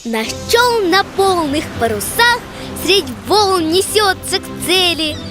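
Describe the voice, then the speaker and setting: A woman recites verse for children in a very high voice. Her delivery is slow and animated, with music clearly behind it.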